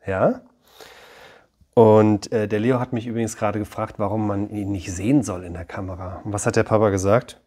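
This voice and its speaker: A man in his thirties, a psychologist, giving direct advice on parenting and then gently questioning his young son. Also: on the low side, steady tone, moderate pace. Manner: direct and explanatory, often checks in with "ja?". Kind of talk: advice talk to camera, then chat with his child.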